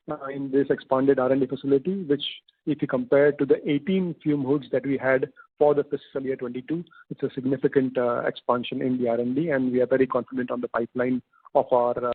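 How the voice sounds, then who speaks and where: Husky man on an echoey phone line. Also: mid-range voice, level tone, a little fast. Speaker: company executive. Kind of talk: formal business update on an investor call. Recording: echoey, tinny phone-line conference call.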